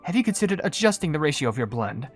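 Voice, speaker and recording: A woman's voice: deep voice, sing-song, quick pace, husky, soft background music, exaggerated voice. Woman as an earnest, studious young perfumer. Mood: earnest, polite. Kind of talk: cartoon game dialogue read aloud.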